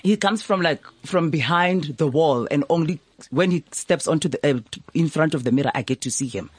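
A man's voice: fairly high pitch, a little fast, husky, no echo. Playful man telling stories. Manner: playful, storytelling, mock-preaching hype. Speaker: podcast co-host. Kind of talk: casual podcast banter.

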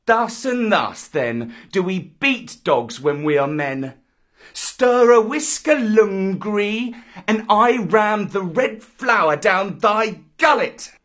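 A man's voice: high-pitched, sing-song, takes it slowly, fairly bright tone, pitched above the performer's own voice, heavily acted. A man voicing a proud young jungle boy in a storybook, defiant and commanding, with declamatory archaic speech. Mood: scornful, fierce. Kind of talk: dramatic storybook reading.

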